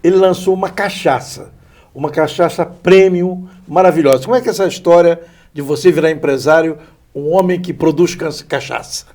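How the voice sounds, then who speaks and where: A man hosts the interview, cutting in with short remarks and asking questions. His voice sits a little high and sounds mellow. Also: a little fast. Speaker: host.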